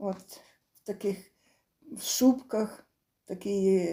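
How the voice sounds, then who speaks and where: A woman talks at a very slow pace with a dark, mellow tone. Her voice is somewhat breathy, and her intonation stays fairly even. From Khmelnytskyi region, Ukraine. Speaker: dialect informant. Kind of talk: interview answer, reminiscence.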